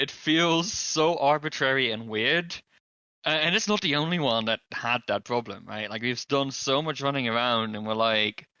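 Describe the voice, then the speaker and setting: A man with a Dutch accent is speaking. His pace is fairly slow. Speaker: podcast co-host. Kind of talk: casual chat.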